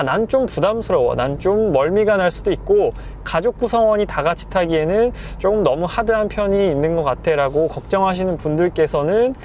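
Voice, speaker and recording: A man reviewing a car as he drives, explaining things in a measured, polite way with a slightly hoarse, clogged throat. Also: high-pitched. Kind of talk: car review commentary while driving. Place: inside a moving car. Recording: clear vehicle and road noise. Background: car driving noise.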